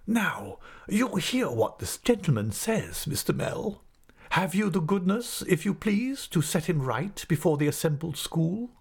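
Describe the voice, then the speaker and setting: A man's voice: high voice, very animated, unhurried, vocal fry, slightly rough, voice pushed up, heavily acted. A man voicing an irascible, pompous school principal in an audiobook, full of sarcastic politeness and whispery menace. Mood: severe, mock-polite. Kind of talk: audiobook character acting.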